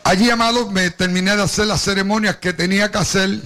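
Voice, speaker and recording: Addressing his congregation directly, an older man from Puerto Rico shares his testimony in a high-pitched, steady, fast voice with a sharp tone. He speaks Caribbean Spanish with a Puerto Rican accent that carries hints of Cuban.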